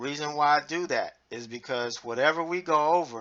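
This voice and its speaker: At a moderate pace, a man delivers his words. His pitch variation is ordinary. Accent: Southern US. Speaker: day trading teacher. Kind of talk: class excerpt, informal lecture. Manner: casual, conversational with fillers.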